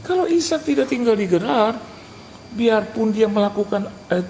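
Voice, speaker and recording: A middle-aged male pastor preaching a sermon, animated, acting out conversations and mixing in English phrases. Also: sits high, normal speed. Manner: animated preacher who acts out dialogues and drops English phrases. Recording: noisy live sermon recording.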